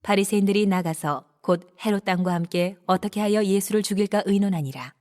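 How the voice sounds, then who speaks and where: Woman narrating scripture, mid pitch. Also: a little mellow.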